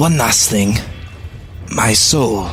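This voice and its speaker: Doing a put-on character voice, a man talks fairly slowly at a medium pitch over clear background noise. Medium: actual play. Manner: earnest, plainspoken.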